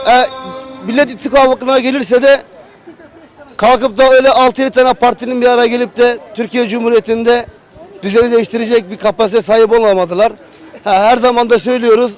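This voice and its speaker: A man's voice: very high voice, fairly even intonation, fairly quick, soft background music, poor audio. A man giving his political views in a street interview, fluent and confident. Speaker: passerby interviewee.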